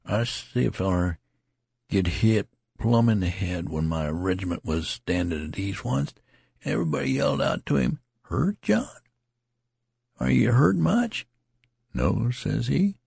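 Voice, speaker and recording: A man's voice: lowish voice, expressive, measured pace, vocal fry, darkish tone, slightly rough, no echo, studio quality, voice pushed up, exaggerated voice. A man voicing a dazed, wounded male soldier who rambles in a slurred, folksy country dialect. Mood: rambling. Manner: pleading, repetitive, plaintive.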